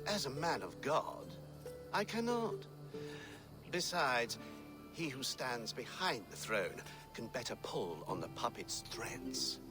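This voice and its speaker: An actor playing a smug, scheming, ambitious Christian abbot in a video game, speaking in courtly, unctuous phrases. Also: male voice, mid-range voice, big pitch swings, slow. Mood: smooth, dismissive. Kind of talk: video game drama acting. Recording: game music behind the voice.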